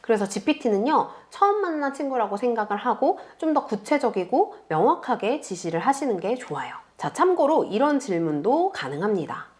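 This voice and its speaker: A woman teaching beginners step by step in a calm, patient screen tutorial, speaking close to the mic. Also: a little high. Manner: patient, explains slowly to beginners. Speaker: online tutor.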